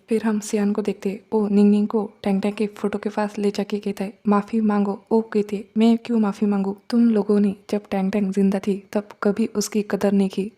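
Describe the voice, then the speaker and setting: A woman narrating a drama recap, retelling the story and its dialogue in a plain, even way. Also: mid-range voice.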